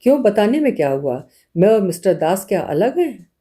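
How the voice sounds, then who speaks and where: A woman's voice: mid-range voice, sing-song, moderate pace, warm tone, lightly acted. A woman voicing a fussing, affectionate married lady in an audiobook, reassuring and doting.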